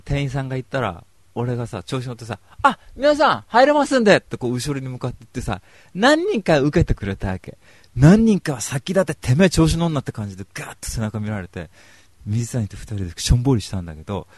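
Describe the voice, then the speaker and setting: A young male radio host talks quickly and chattily, his pitch swooping up and down as he jokes through a story. The sound is dry and close, with no room around it. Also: dry recording. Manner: animated, joking storyteller. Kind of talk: casual radio talk.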